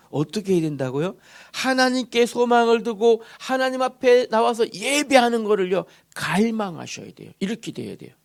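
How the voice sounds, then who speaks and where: A male pastor preaching a sermon in a church, posing questions to the congregation and answering them himself, moving from loud emphasis to soft murmurs. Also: high voice, gravelly. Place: church sanctuary.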